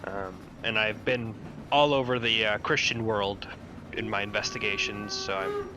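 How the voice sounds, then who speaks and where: A man playing in a tabletop game, telling his character's backstory haltingly with many fillers. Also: lowish voice, music in the background. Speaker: player.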